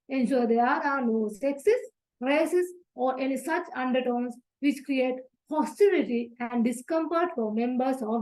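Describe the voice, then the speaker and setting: A woman as sergeant at arms, opening an online club meeting with formal, measured announcements on a video call. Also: high-pitched, darkish tone, low-quality recording.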